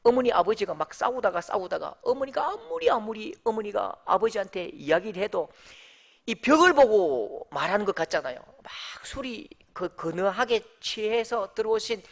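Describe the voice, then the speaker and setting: A man's voice: high voice, normal speed, gravelly. A male pastor with a Daegu accent, preaching an emphatic sermon to his congregation. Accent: Daegu dialect. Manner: animated and emphatic, addressing the congregation.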